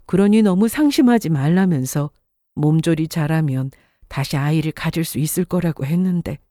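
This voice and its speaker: A woman narrating a first-person story in a calm, scripted storytelling manner. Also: low voice, dry recording, studio quality.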